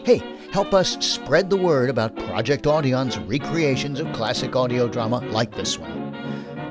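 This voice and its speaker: Casting: male show host, upbeat scripted outro, very lively intonation, clear brass music underneath. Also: mid-range voice. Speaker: host, producer and director.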